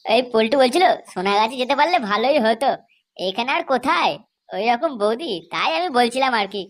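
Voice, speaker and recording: A woman's voice: fairly high pitch, animated, fairly quick, close to an everyday voice. A woman voicing a foolish, gossipy, crude male sidekick in a comedy cartoon. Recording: noisy cartoon soundtrack.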